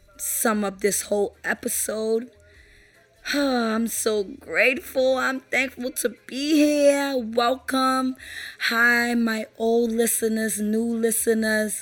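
A very slow woman's voice at a fairly high pitch, in a Brooklyn accent, with music in the background. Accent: Brooklyn New York. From New York City. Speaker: podcast host and motivational speaker. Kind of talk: monologue on current events, motivational. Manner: passionate, animated.

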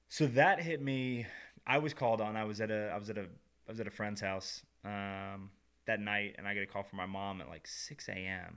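Speaking at a fairly quick pace, a man with an American accent has an ordinary speaking voice and a fairly low pitch. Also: ordinary pitch variation. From Georgia, US (Peachtree City, near Atlanta). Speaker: podcaster, former sheriff's office worker. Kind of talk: personal testimony in interview. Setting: studio, in person.

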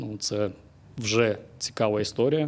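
A man speaks at a very slow pace with a dark, mellow tone. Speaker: tech startup co-founder and volunteer. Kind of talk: interview. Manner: halting, many filler sounds.

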